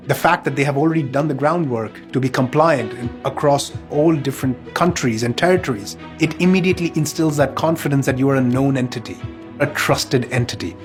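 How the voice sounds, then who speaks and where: Emphatic man over music. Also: medium pitch. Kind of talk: corporate testimonial interview.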